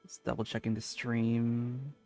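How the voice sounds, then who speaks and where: A woman's voice: a bass voice, level tone, measured pace, warm tone, faint music behind. A woman streamer giving casual live commentary on a video game, close to the microphone.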